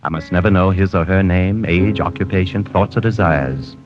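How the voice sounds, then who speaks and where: A cold, clinical killer, played by a man recounts his plan in a deep, low voice, calm and clipped. The sound is a dull old radio broadcast with music underneath. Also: moderate pace, lightly acted. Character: cold, precise male killer keeping a diary. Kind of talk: 1940s radio drama narration.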